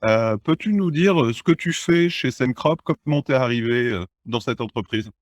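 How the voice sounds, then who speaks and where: French podcast host, dry close mic. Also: male voice, mid-range voice, moderate pace, dry recording. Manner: upbeat scripted opening, then relaxed questions. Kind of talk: podcast intro and interview questions.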